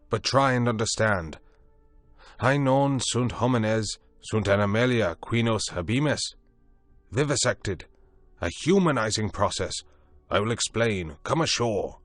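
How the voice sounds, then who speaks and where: Male reader as cool, authoritative scientist, deep and unhurried. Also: no echo, soft background music. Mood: explaining. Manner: calm, measured, authoritative. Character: steady, commanding older male scientist.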